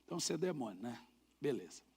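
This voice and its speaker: A man's voice: mid-range voice, very animated, rapid-fire, darkish tone, husky. A male pastor preaching a sermon, telling humorous anecdotes with emphasis. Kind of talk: storytelling sermon.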